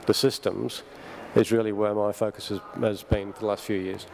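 A man with a low, gravelly voice speaks on a conference panel. He talks in a measured, hesitant way, pausing on frequent ums, into a desk microphone with faint hall ambience behind. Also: flat delivery, darkish tone, slight background noise. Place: large conference hall stage. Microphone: desk microphone on a stand.

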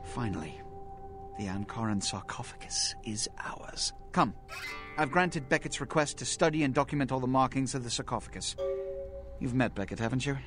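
Man playing a pompous, animated vampire prince. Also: medium pitch, normal speed, over music, lightly acted. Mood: pleased, grandiose. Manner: pompous, theatrical, formal. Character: imperious, vain, scheming vampire prince, adult male. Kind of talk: video game voice acting.

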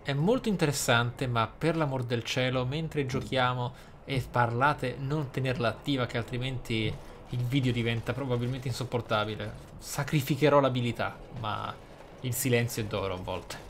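Man commentating over clear game noise. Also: mid-range voice, moderate pace. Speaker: gaming video host. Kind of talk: roleplay gameplay commentary. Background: video game sounds.

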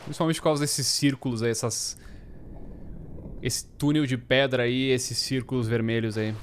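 A man in his thirties, a gaming streamer, giving casual, slangy commentary on a headset with bursts of excited chatter. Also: medium pitch, normal speed, a little hiss or hum.

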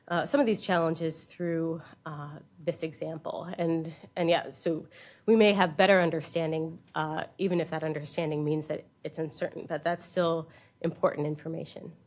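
A woman researcher presenting a scientific lecture, explaining in plain terms with informal asides. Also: on the low side. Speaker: university researcher giving a keynote. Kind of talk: scientific conference lecture with slides.

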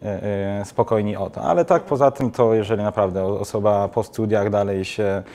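Hesitant young man, low voice. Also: a little fast, warm tone. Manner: hesitant, many restarts and fillers. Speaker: guest, student trip organizer. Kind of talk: casual studio interview. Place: TV studio.

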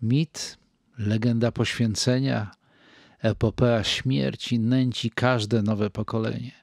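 An older man reading a wartime diary aloud in a measured, grave manner, with deliberate pauses. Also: medium pitch, steady tone, creaky, dry recording, studio quality. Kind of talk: slow reflective diary reading.

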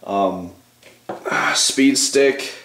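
Speaking extremely slowly yet animatedly, this man in his twenties has a mid-range, slightly bright voice. The bodybuilding vlogger rambles casually to viewers, filmed on a handheld camcorder at arm's length in a small bathroom, giving a roomy sound with a little hiss or hum.

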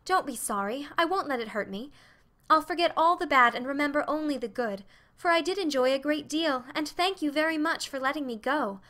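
A woman's voice: sits high, brisk, sharp tone, pitched above the performer's own voice. A woman voicing a bashful, earnest teenage girl confessing to her mother in a storybook reading. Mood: pleading.

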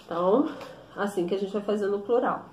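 A woman teacher explaining a grammar lesson slowly, often stopping to check with her students. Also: medium pitch, darkish tone. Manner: slow, explanatory, with frequent check-in questions. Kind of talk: recorded classroom lesson. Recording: echoey room.

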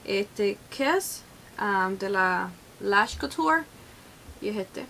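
Slow-talking woman makeup vlogger. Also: mid-range voice, creaky, a little hiss or hum, low-quality recording. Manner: excitable, mixes Spanish with English exclamations. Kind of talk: casual makeup tutorial chat.

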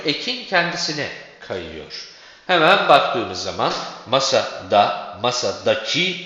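A male Turkish teacher giving a recorded grammar lesson. He asks his class questions and answers them himself, and he draws out example words slowly to show which syllable carries the stress. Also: medium pitch, bright, forceful tone. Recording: echoey hall, muffled lo-fi sound.

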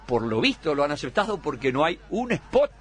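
A man's voice: fairly high pitch, sing-song, brisk, fairly bright tone, faint music behind. A man in his sixties, a guest in a political radio debate, making pointed, ironic remarks. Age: 60s.

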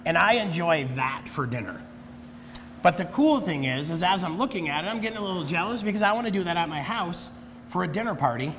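A man's voice: high-pitched, animated, fairly quick, big-room sound, noisy background. A man in his forties co-hosting a cooking segment, chatting eagerly and chiming in with reactions. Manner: enthusiastic, interjecting reactions. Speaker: co-host chef. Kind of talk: casual chat. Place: studio kitchen.

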